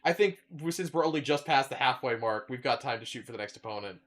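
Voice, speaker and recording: A game streamer riffs casually over gameplay, joking and laughing along. The voice sits at an ordinary middle pitch. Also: expressive, fast talker. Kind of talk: casual let's-play commentary.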